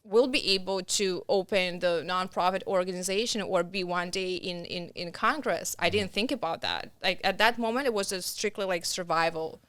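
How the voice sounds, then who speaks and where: A woman in her thirties with a Russian accent, talking earnestly and haltingly as a podcast guest. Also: on the low side, fairly bright tone, clear, resonant tone, dry recording. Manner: earnest, halting, with restarts and non-native grammar. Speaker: podcast guest, nonprofit founder. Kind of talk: conversational interview.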